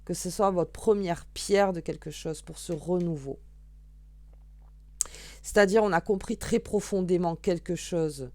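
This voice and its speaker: Low-voiced woman reading cards. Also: darkish tone, no echo. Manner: chatty, thinking aloud, many fillers and restarts; shuffling and drawing cards while talking. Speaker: tarot reader. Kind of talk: casual card reading.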